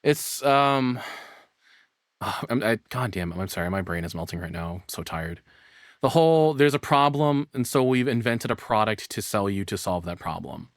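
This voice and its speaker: Guy in his 30s doing a chill rambly reaction stream, kinda low voice, no room echo, swears some. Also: animated, moderate pace, clean studio sound. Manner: rambling, profane. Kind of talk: casual off-the-cuff reaction.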